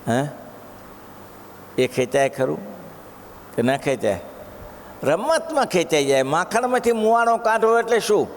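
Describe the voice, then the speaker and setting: A man's voice: sits high, sing-song, measured pace, pauses often, long reverb tail, slight background noise. A man delivering a sermon, telling a story with acted-out quotes and questions to listeners. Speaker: religious speaker.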